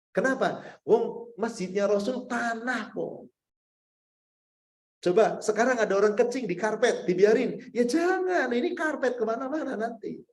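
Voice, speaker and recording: A man with a notably high voice delivers a sermon to a congregation. He talks conversationally, keeps asking his listeners questions and addresses them directly as sir and madam. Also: a little mellow. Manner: conversational, asks the audience many rhetorical questions. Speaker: preacher. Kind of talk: Islamic sermon with Q&A.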